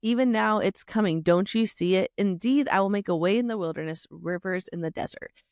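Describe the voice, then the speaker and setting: A woman casually giving a Christian encouragement talk to mothers, chatty and animated, full of asides. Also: medium pitch, fairly quick, smooth, no echo, studio quality. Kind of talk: casual faith talk to moms.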